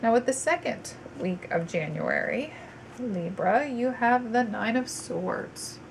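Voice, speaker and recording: A woman's voice: fairly high pitch, expressive, slow, gravelly, slight background noise. A woman giving a chatty tarot reading to viewers, a bit stuffed up with a cold, with frequent ums and restarts. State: stuffy, congested. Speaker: tarot reader.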